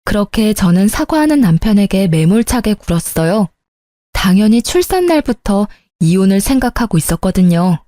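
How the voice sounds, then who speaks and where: A woman's voice: mid-range voice, sing-song, moderate pace, warm tone, no room sound, clean studio sound. A woman narrating a true-life story in a plain, conversational storytelling manner.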